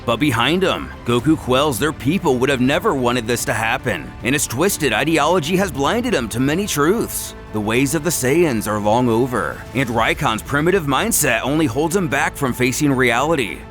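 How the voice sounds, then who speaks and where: Dramatic male narrator, very animated pitch. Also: normal speed, few pauses, soft background music. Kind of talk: dramatic scripted story narration.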